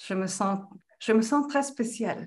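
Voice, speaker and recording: A woman is heard speaking with audible room echo. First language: Spanish (speaking French). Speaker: life coach. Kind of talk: webinar talk. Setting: video webinar.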